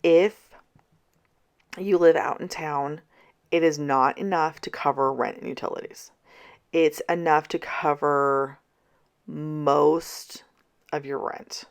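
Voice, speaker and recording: A woman in her thirties chatting casually in a vlog, tired, her voice scratchy and hoarse, going out as she talks. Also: sits low, steady tone, slow pace, long pauses. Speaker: vlogger. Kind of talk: casual planner vlog chat.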